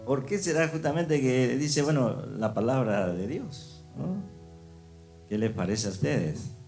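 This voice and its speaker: An older man leads a casual Christian discussion, speaking slowly and reflectively with many hesitant pauses. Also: mid-range voice, lively intonation, darkish tone. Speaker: discussion leader. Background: guitar music.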